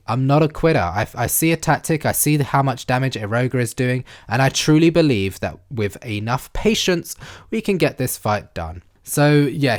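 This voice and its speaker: Male gaming YouTuber, congested nasal voice from a cold, lively chatty commentary. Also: medium pitch. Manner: chatty, animated, self-narrating. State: congested, blocked nose from illness. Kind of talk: game commentary voice-over.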